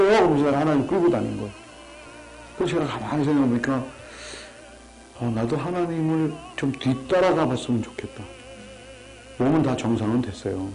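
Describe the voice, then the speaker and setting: A man, a missionary, telling his testimony in an earnest storytelling voice that drops low and quiet in sad moments. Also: rough recording. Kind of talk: emotional testimony.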